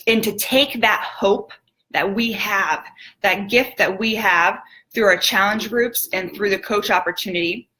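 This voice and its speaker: Bright-voiced woman telling a motivational story. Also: mid-range voice, unhurried, rough recording. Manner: animated storyteller who acts out quotes; earnest, direct appeals to the audience. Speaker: motivational speaker.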